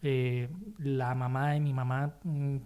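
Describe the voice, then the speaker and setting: A man's voice: medium pitch, flat delivery, slow pace, a little mellow, clear, resonant tone. A man with a Colombian-tinged Spanish accent, born in Bolivia and raised in Colombia, talking casually as a podcast guest. His mid-range voice rambles along with fillers and restarts. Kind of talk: casual chat.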